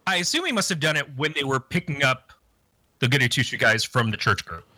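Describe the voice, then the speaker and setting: A man's voice: medium pitch, expressive, fairly quick, sharp tone, no echo. A man casually recapping a movie plot on a podcast, rambling and joking crudely. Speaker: podcast co-host. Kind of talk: casual movie review chat.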